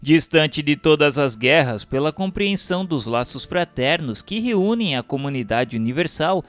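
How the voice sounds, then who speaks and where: A man's voice: a little high, lively intonation, normal speed, fairly bright tone. A Brazilian man reading a religious text as solemn scripted narration, in a formal, declamatory manner.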